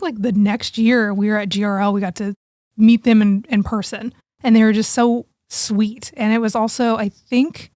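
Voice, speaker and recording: A woman's voice: mid-range voice, a little mellow, dry recording. Woman chatting on a podcast, dry close sound. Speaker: podcast co-host. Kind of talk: casual chat, personal storytelling.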